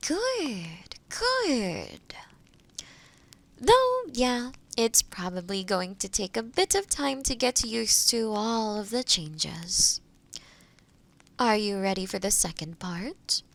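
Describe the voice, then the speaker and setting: A woman playing a kind, gentle witch in a fantasy audio roleplay, speaking to the listener in a reassuring, explanatory way. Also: mid-range voice, very animated, takes it slowly, creaky, full character voice. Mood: tender, delighted. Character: kind, gentle forest witch guiding a transformation.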